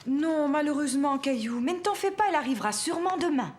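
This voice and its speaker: A woman's voice: high voice, quick pace, background noise, lightly acted. A woman voicing a patient but firm young mother in a children's cartoon. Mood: patient, reassuring. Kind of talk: children's cartoon dub acting.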